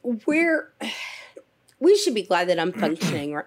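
A woman's voice: lowish voice, big pitch swings, a little slow. A woman in her thirties co-hosting a podcast, blunt and swearing freely as she tells dramatic stories, worn out after an illness. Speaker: podcast co-host. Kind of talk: casual chat.

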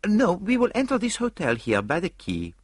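A man voicing a fussy little Belgian detective with a put-on French accent, speaking in a high, theatrical way. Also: wildly swooping pitch, moderate pace, no echo, studio quality, heavily acted. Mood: animated.

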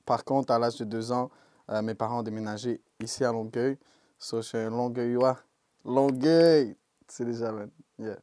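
A young man with a Québécois French accent, a rapper answering interview questions in a relaxed way and dropping English slang. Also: mid-range voice, normal speed, no echo. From Quebec, Canada. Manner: laid-back, peppered with English slang like "yo" and "bro". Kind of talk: casual interview talk.

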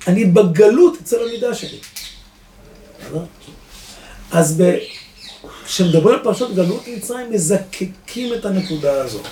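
A man, a rabbi giving a lively Torah lesson to a live audience, asking rhetorical questions and swinging between loud and soft. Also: sits high, long pauses. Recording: echoey room, distant mic, faint noise.

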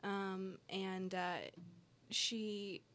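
A woman's voice: mid-range voice, flat delivery, drawn-out words, a bit bright. A young woman co-hosting a podcast, chatting casually and telling stories with playful quoted voices. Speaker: podcast co-host. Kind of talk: casual chat.

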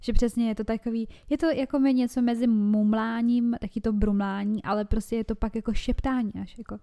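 Young woman co-host, blunt and giggly, curses freely, slightly high voice, casual podcast chat. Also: fairly even intonation, vocal fry, dark tone.

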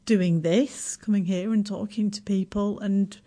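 A woman's voice: mid-range voice, fairly even intonation, warm tone. Laughing woman with a Yorkshire accent. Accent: Yorkshire English. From Yorkshire, England. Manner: self-deprecating, laughs often, halting restarts. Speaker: guest. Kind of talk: casual radio interview.

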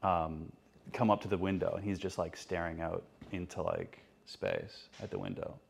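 Low, gravelly laid-back man. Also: sing-song, a little hiss or hum. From Canada. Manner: laid-back, halting storytelling with many ums. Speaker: podcast guest. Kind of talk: casual chat, telling a ghost story.

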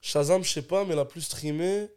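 A man's voice: on the high side, normal speed, clean tone. A young man, a rapper guest telling stories in casual, slangy podcast chat. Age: young adult. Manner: laid-back, slangy storytelling.

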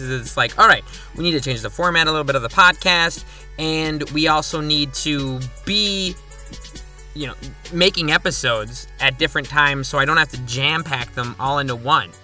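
A man hosting a casual solo sports podcast, with a slightly high voice that is strongly bright and forceful. He talks in a chatty, jokey way, breaking off for asides before he rattles through a list of topics. Faint music plays underneath. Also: normal speed. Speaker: podcast host.

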